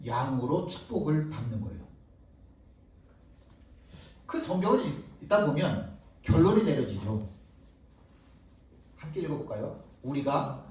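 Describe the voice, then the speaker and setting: High-voiced pastor preaching in an echoey hall. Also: male voice. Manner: animated storytelling, acting out disciples' voices. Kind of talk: sermon. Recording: echoey hall, distant mic.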